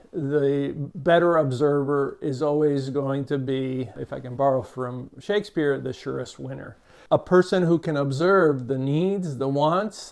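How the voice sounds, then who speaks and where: An older man, born in Cuba and raised in Miami, with a Cuban-American accent, speaking to camera as a behavior expert in a measured, unhurried way with frequent "uh" fillers. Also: fairly high pitch. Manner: measured, unhurried, with many "uh" fillers and small restarts. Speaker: behavior expert, channel host. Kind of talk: reflective talk to camera.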